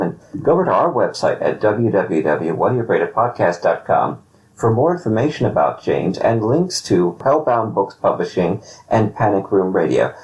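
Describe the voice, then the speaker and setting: A man hosting a podcast interview in a conversational style, with measured, deliberate phrasing. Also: fairly low pitch, darkish tone, lo-fi sound. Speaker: podcast host.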